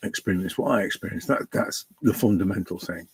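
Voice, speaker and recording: A man's voice in a dry, close sound with no echo. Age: 60s. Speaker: portrait artist and teacher. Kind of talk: casual talk while drawing. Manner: halting, many fillers.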